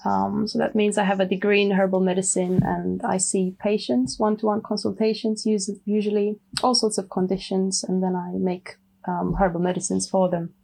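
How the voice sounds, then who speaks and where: A woman from Romania, a medical herbalist guest speaking softly and thoughtfully in a podcast interview. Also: medium pitch, level tone, moderate pace, creaky, few pauses, husky, low-quality recording. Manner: soft-spoken, thoughtful, many you knows. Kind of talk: casual interview.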